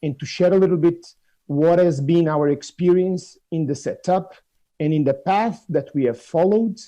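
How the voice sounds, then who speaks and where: A Portuguese man in his forties presents over a video call, his English carrying a Portuguese accent. The voice sits fairly high but sounds very dark and muffled. He often restarts phrases and repeats words. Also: moderate pace. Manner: hesitant, repeats words when starting phrases. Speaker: guest speaker. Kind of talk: conference presentation. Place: office room.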